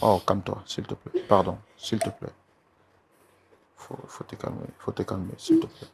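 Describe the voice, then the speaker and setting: A man's voice: lowish voice, huge pitch swings, moderate pace, vocal fry. A male talk show host on a studio set, pleading and soothing a guest over and over in an emotional testimony show. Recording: noisy studio recording.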